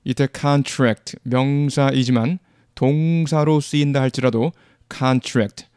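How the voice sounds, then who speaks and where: A man teaching English vocabulary in a Korean-accented voice, repeating each word and example slowly for practice. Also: mid-range voice, a little mellow, smooth, dry recording, studio quality. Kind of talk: vocabulary lesson.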